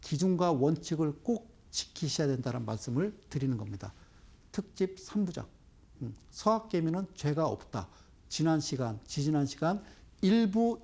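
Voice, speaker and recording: Lively scolding male stock commentator. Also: a little high, moderate pace. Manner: scolding with rhetorical questions. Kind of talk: investment broadcast commentary.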